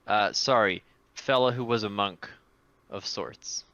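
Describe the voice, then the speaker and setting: Bright-toned halting man at the game table. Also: lowish voice, no room sound, lo-fi sound. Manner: halting, self-correcting. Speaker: player. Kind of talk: casual game chat.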